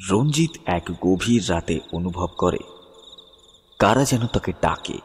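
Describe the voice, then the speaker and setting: A man narrates a dark tale in a very low, solemn voice. He takes his time, pausing dramatically between phrases, with a long reverb trailing his words. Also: animated, a little hiss or hum. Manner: solemn, measured, dramatic pauses. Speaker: story narrator. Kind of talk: dramatic scripted horror story narration. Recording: long reverb, music bed behind voice.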